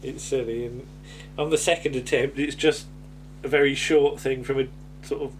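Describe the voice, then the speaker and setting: A man's voice: mid-range voice, fairly even intonation, moderate pace, recorded from a distance. British man chatting, off-mic with background hum. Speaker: podcast co-host. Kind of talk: casual chat recapping a TV comedy episode.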